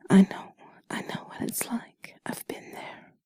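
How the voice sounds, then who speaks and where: A woman doing an intimate whispered role-play in a soft, breathy, sultry and soothing voice, speaking slowly and deliberately, close to the mic. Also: no echo. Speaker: intimate audio narrator. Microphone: close mic, dry.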